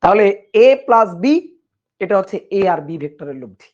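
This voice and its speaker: A woman's voice: medium pitch, animated, fairly quick, darkish tone, lo-fi sound. A woman physics teacher, giving an online class lecture, repeating key phrases and checking understanding with questions.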